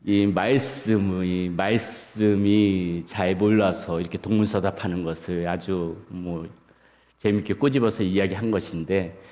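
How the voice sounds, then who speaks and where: A male pastor preaching a sermon in a church, telling humorous stories in an unhurried way. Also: deep voice, darkish tone. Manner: storytelling with humorous anecdotes, unhurried. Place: church sanctuary. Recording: long church-hall reverb.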